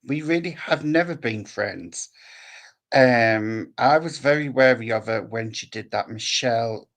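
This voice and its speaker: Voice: medium pitch, measured pace. A guest on a live stream telling a rambling story, hesitating with many ums. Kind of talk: casual live stream chat.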